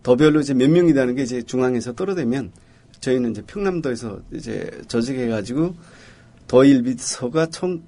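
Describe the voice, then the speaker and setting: A man's voice: mid-range voice, expressive, fairly quick, mellow. North Korean man, clipped plain answers. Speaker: guest.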